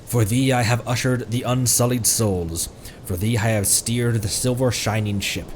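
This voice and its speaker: A man streaming a video game with expressive delivery, commenting casually and reading game text aloud. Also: moderate pace, slight background noise, low-quality recording. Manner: expressive, jumps into high-pitched exclamations.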